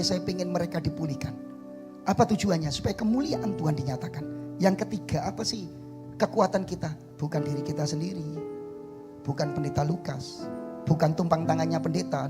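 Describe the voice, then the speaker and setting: A middle-aged pastor with an East Javanese accent and a slightly high voice delivers a lively sermon in a church sanctuary. His preaching moves from quiet asides to shouted climaxes as he calls out for amens.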